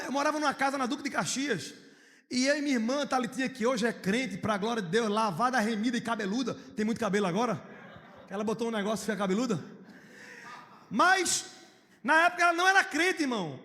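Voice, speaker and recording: A man preaching a sermon as pastor, telling personal stories, moving between hushed storytelling and loud outcries. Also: extremely high pitch, expressive, quick pace. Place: church hall. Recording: long reverb of a church hall.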